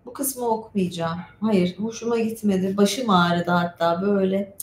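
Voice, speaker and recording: A woman's voice: mid-range voice, fairly even intonation, moderate pace. A woman hosting a casual storytelling livestream, reading aloud and commenting in a chatty, rambling, informal way. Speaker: livestream host. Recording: roomy echo, faint background noise.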